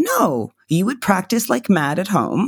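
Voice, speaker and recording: A woman talks at a fairly slow pace with ordinary pitch variation in an ordinary speaking voice. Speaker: podcast host. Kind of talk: casual interview chat. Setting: video call.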